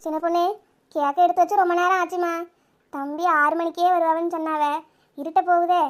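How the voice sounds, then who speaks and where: A woman's voice: very high-pitched, steady tone, brisk. A woman playing a caring, motherly village neighbour who soothes and coaxes the others. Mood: soothing. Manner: soothing, motherly, calls others by pet names. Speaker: neighbour Gomathi. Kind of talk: village family drama acting.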